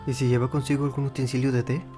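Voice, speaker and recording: A man talks over a video game as he plays it, racing through his words. His commentary is loose, chatty and full of quick asides. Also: mid-range voice, level tone, music in the background. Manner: rapid, chatty, laughs as he talks. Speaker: gaming video host. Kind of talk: casual gameplay commentary.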